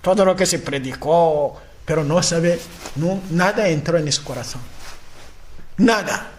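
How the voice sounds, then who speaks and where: A man preaching a sermon talk in a convent hall, animated, acting out people's replies, repeating and stammering. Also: on the high side, measured pace. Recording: echoey room, faint noise.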